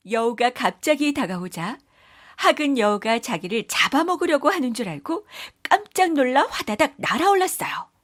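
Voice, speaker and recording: A woman's voice: sits high, animated, moderate pace, no echo, clean studio sound. A woman storyteller narrating scripted children's folktales.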